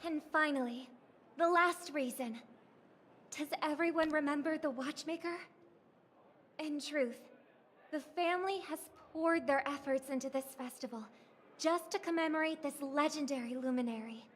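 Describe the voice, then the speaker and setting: A woman's voice: sits high, normal speed, a little hiss or hum, lightly acted. An actress playing a poised young woman giving a formal festival speech in a game, with a ceremonial announcer delivery. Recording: game audio with music behind.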